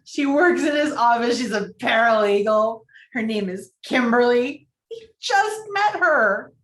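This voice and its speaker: A woman's voice: fairly high pitch, animated, measured pace, echoey room, rough recording. A woman reading the part of an emotional, self-critical woman in her thirties from a romantic comedy script. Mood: wounded, bitter. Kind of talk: virtual table read of a film script.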